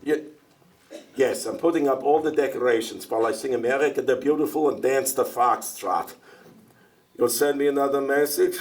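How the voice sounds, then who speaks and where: A man's voice: mid-range voice, normal speed, close to an everyday voice. An actor playing a talkative, joking older Jewish immigrant dairyman in a one-man stage monologue, often stammering and asking back. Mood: chatty. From Russia. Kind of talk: theatrical monologue. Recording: stage voice heard from far off.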